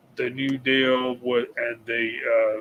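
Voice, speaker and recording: A man with an American accent talks at a medium pitch in a monotone, flat intonation. Background noise is noticeable. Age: 60s. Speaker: livestream guest. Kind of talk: casual chat. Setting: livestream.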